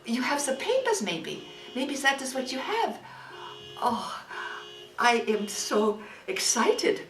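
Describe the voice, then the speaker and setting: A woman playing a widow, high and halting. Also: very animated, fairly bright tone, faint music behind, full character voice. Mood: agitated. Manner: halting, repeats words, searches for English words. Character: German war widow, emotional, broken English. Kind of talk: dramatic monologue. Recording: echoey room, distant mic, faint hiss.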